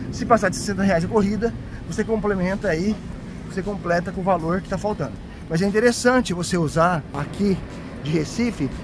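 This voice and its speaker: With music in the background, a man talks at a fairly quick pace in a high pitch with ordinary pitch variation, and the sound is dry with no echo. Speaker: travel credit card vlogger. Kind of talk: casual vlog chat. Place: station. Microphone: phone near.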